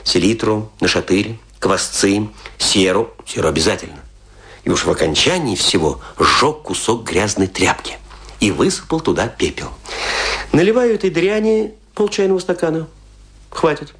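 An actor playing a boastful, scornful provincial tragedian in a radio play, telling his tales theatrically with emphatic, pointed pauses. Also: lowish voice, expressive, fairly bright tone. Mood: gleeful menace. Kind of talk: dramatic radio play monologue.

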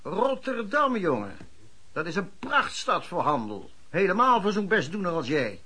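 Radio play con man: animated, husky, forceful patter, condescending and persuasive. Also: high-pitched, moderate pace, heavily acted. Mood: coaxing. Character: slick, dapper male con man, pushy and patronising. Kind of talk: Dutch radio drama acting.

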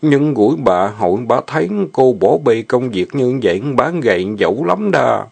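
A man's voice: medium pitch, animated, normal speed, creaky, darkish tone, husky, voice pushed up. A man voicing a bashful, lovesick young farmhand who stammers. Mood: pleading. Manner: stammering, hesitant.

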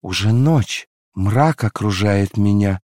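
A man's voice: lowish voice, darkish tone, no echo, clean studio sound. A man reading aloud and voicing a dying young woman who rises into frenzied, wailing curses. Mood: faint, weary. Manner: wailing, cursing, drawn-out.

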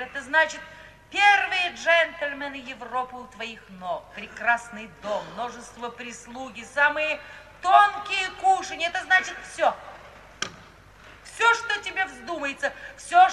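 Theatrical worldly mother, high bright voice. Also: full character voice. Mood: coaxing, persuasive. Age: middle-aged. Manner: theatrical, emphatic, pleading delivery. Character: worldly middle-aged mother, brothel owner, coaxing and defensive. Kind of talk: 1950s Russian radio theatre acting. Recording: echoey, distant 1950s radio play with hiss.

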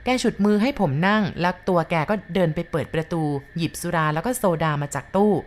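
ผู้หญิงอ่านเรื่องเล่าบุรุษที่หนึ่ง เล่าเรียบๆ สม่ำเสมอ. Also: female voice, fairly low pitch, fairly quick. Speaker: storyteller. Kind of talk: reading a first-person story aloud.

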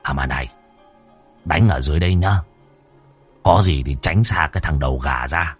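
A man voicing a gruff, blunt old ghost-catching master who teases his friend. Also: a bass voice, normal speed, faint music behind, pitched below the performer's own voice.

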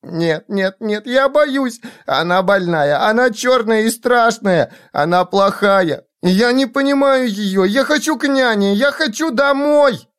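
Man putting on a whimpering small boy, pitched way up. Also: expressive, measured pace, hardly any pauses, clean tone. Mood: terrified whining. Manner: pleading, whimpering, repetitive. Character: terrified, whining small boy telepath, homesick for nanny.

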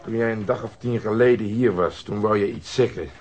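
An actor playing an irascible, overworked police detective in a radio crime drama, gruff, sarcastic and quick to swear. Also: male voice, lowish voice, a little mellow, natural voice. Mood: irritated. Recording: dull lo-fi radio drama recording.

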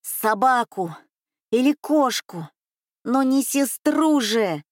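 A woman voicing an excitable, anxious young boy in a children's storybook reading, pleading and stammering. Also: fairly high pitch, slow, dry recording, studio quality, pitched above the performer's own voice. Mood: upset.

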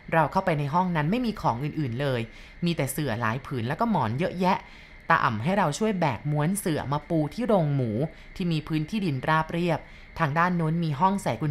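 A woman reading a first-person ghost story aloud in a plain, unhurried way. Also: low voice, slight background noise.

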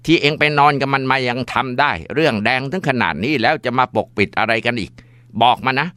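A man's voice: mid-range voice, bright, forceful tone, clear, resonant tone, dry recording, clean studio sound, voice pushed up. A shaking, bitter mother, as a man puts her on. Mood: furious. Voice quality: trembling, bitter. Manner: slow scolding then pleading. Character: furious grief-stricken older mother.

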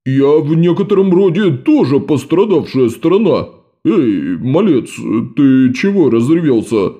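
A man's voice: on the high side, very animated, unhurried, dark tone, highs cut off. A man voicing a fussy, indignant portly middle-aged clerk in an audiobook. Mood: grumbling. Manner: blustering, huffy.

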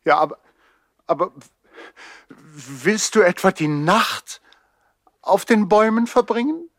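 A man's voice: sits high, expressive, slow pace, no echo, studio quality, exaggerated voice. An actor playing an eager, anxious young boy, earnest and pleading, in a 1960s radio play. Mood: anxious, astonished.

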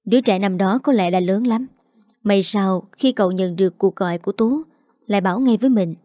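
A woman reading a dramatic story aloud, narrating in a steady scripted style and voicing every character herself. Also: medium pitch, fairly quick, dry recording, studio quality.

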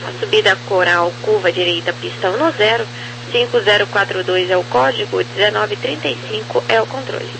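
A man's voice: high voice, fairly quick, gravelly. A man with a Brazilian accent giving clipped air traffic control instructions over aviation radio. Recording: noisy, humming radio transmission.

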